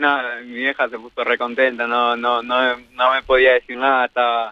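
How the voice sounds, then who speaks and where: Medium-pitched male speech, flat and monotone throughout. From Argentina, Buenos Aires area. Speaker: footballer. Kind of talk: phone interview. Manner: halting.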